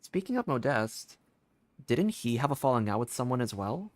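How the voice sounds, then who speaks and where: A gaming streamer doing casual live commentary, rambling and thinking aloud in an expressive way. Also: medium pitch, normal speed, dry recording.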